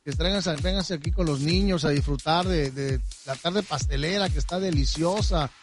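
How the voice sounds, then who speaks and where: A man's voice: fairly high pitch, normal speed, faint music behind. A man with a Mexican Spanish accent, a chef enthusiastically listing dishes one by one on a live radio remote from a hotel restaurant. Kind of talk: on-air promotional chat.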